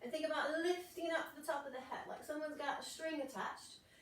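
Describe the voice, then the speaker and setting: Loud and high-pitched, a woman speaks with audible room echo. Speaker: fitness instructor. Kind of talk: live online exercise class instruction.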